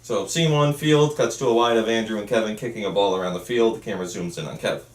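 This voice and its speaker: At a script table read, a male script narrator and writer reads stage directions casually, tossing in asides. He talks fast with a fairly low pitch. The room is echoey and he sits distant from the mic.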